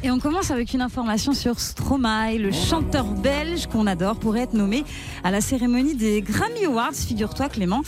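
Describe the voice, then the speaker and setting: A woman co-hosting a radio show, reading quick entertainment news in a chatty way. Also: fairly high pitch, lively intonation, music in the background. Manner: chatty, laughs easily. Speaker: radio co-host. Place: radio studio.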